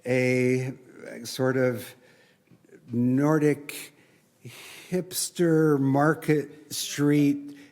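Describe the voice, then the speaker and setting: A man hosting an event, giving a semi-formal introduction of a speaker in a halting, deliberate manner. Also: mid-range voice, flat delivery, a little mellow.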